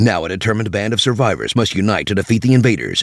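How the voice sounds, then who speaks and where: Vocal fry marks a man's fairly low voice, which has ordinary pitch variation. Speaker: voice actor, voiceover coach. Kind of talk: movie trailer read.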